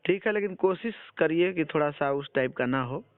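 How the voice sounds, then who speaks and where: A man's voice: fairly high pitch, expressive, a little fast, clear, resonant tone, no room sound. A man conducting an informal phone interview, questioning persistently in an admonishing manner. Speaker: interviewer for an entertainment channel. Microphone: phone call. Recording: tinny phone call recording.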